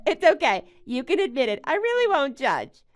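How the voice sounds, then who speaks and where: Casting: actress as smug bride-to-be for animated story drama, high and very animated, gloating and condescending. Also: female voice, normal speed, faint music behind. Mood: gloating, taunting. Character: smug, boastful young bride who taunts her friend. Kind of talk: melodramatic animated-story voice acting.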